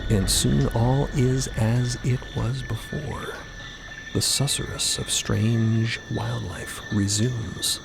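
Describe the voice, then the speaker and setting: A man's voice: mid-range voice, fairly even intonation, slow, gravelly, noisy background. A man giving dramatic scripted narration as the narrator of an audio story.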